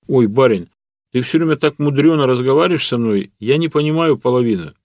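A man's voice: medium pitch, brisk, a little mellow, no echo, studio quality, voice pushed up, natural voice. A man voicing a simple-hearted young serf who speaks in a pleading, old-fashioned peasant way. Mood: bewildered. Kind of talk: audiobook character voice.

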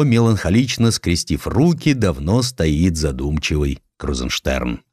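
A man narrating a literary historical story as an audiobook, in a measured, theatrical storytelling manner. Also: lowish voice, a little mellow, dry recording, studio quality. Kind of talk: expressive scripted literary narration.

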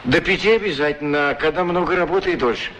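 A man's voice: fairly high pitch, quick pace, close to an everyday voice. An actor playing a middle-aged disabled shoeshine man in a radio play, musing in a humble, folksy, courteous way. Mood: modest, resigned. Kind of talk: radio play acting, musing monologue and dialogue. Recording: radio drama recording with steady noise.

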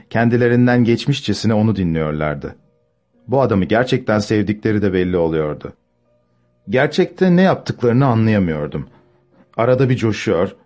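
Low-voiced man narrating a brooding novel. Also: mellow. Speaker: audiobook narrator. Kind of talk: scripted literary narration.

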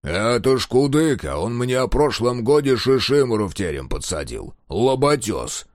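A man's voice: medium pitch, big pitch swings, normal speed, no echo, studio quality, lightly acted. A man voicing a stern, stout, grey-maned old boyar who scolds indignantly.

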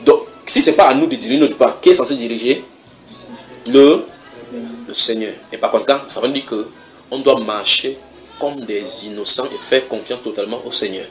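A man preaching a church sermon, animated, with many rhetorical questions, swinging from loud bursts to quiet asides. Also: medium pitch, normal speed, faint music behind.

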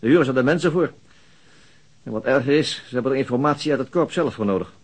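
An actor playing a dryly ironic homicide detective in a radio play. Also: male voice, medium pitch, fast talker, husky, natural voice. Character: dry, weary male homicide detective.

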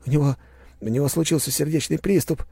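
A sobbing, stammering young son. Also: male voice, fairly high pitch, steady tone, fast, vocal fry, warm tone, slightly rough, no room sound, pitched above the performer's own voice. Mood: desperate, tearful. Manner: tearful, stammering, pleading. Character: young adult man, distraught sobbing son. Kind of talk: audiobook character voice.

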